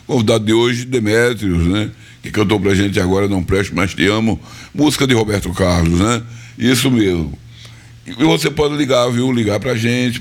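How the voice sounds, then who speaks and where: Male radio DJ, a bit hoarse, lowish voice, chatty and repetitive. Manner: chatty, repeats phone numbers and tags lines with "viu?" and "né?". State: slightly hoarse. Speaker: radio host. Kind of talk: live radio show hosting. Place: radio studio.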